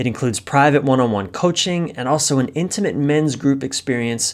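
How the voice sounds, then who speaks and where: A man speaks at a moderate pace with ordinary pitch variation and an ordinary speaking voice, on a very clean recording with a silent background. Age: 40s. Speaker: podcast host and relationship coach. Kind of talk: podcast interview, personal conversation.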